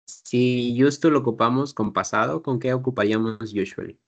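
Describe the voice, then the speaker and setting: A male teacher, pitched at an ordinary middle height for a man. He explains grammar patiently and step by step, then drills pronunciation word by word. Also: moderate pace, creaky, highs cut off. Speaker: English teacher. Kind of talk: classroom teaching.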